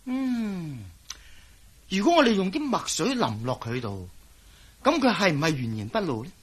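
An actor playing a jovial, skeptical police officer in a radio drama, speaking with a chuckling, doubting manner. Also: male voice, high-pitched, sing-song, normal speed, slightly rough, exaggerated voice.

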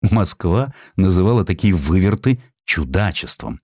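Expressive low-voiced male narrator. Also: a little slow, no echo, clean studio sound. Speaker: audiobook narrator. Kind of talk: expressive scripted literary narration.

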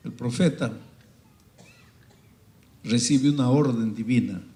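A male pastor delivers a dramatic sermon full of storytelling, swinging from loud peaks to hushed passages. His voice is mid-range and slow, and the sound is reverberant.

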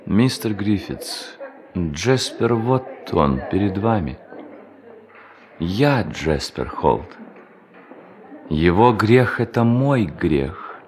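An actor playing a desperate, ageing male embezzler in a radio play, halting and stammering as he pleads. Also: low-pitched, big pitch swings, darkish tone, heavily acted. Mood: earnest, weary. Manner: halting, stammering, repeats himself imploringly. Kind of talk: Russian radio play acting.

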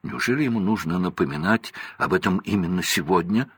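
A man's voice: low-pitched, expressive, fairly quick, slightly rough, no echo. A man doing a stern fussing mother. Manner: scolding, motherly. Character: fussy, proud mother of many children, strict.

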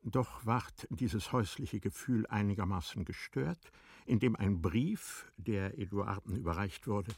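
Deep, husky male literary narrator. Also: darkish tone, no echo. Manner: measured, composed storytelling. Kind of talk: literary radio drama narration.

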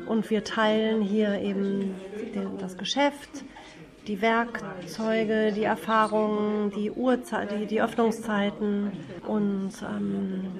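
A woman's voice: mid-range voice, flat delivery, takes it slowly, creaky, over music. A woman goldsmith giving casual interview answers in her jewelry shop. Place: small jewelry shop and workshop. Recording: busy background chatter, recorded on location.

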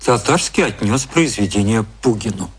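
A man narrating a literary radio play in a measured storytelling style. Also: fairly low pitch, expressive, lightly acted.

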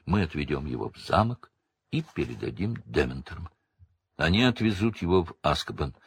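A man's voice: a bass voice, sing-song, moderate pace, gravelly, breathy edge, no room sound, studio quality, exaggerated voice. A man voicing a determined teenage boy wizard who speaks firmly and breathlessly. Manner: firm, breathless.

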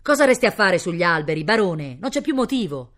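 A woman's voice: medium pitch, big pitch swings, a little fast, a bit bright, pitched above the performer's own voice. A woman voicing a zealous, vengeful exiled Spanish count who declaims and exclaims, in a storybook reading. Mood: fiery, declaiming.

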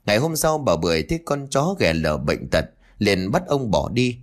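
A man reads a story aloud in a dramatic way. His pitch swings widely through the narration. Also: big pitch swings, moderate pace.

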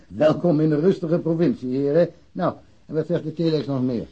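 A man's voice: a little high, normal speed, mellow, husky, dull audio. A man playing a blunt, jovial provincial policeman with a wry manner in a naturalistic radio drama.

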